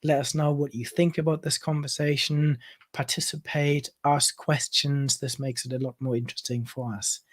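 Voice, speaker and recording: A man hosting a live conversational interview, speaking in a somewhat halting way with repeated words. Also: on the high side, flat delivery. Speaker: interview host.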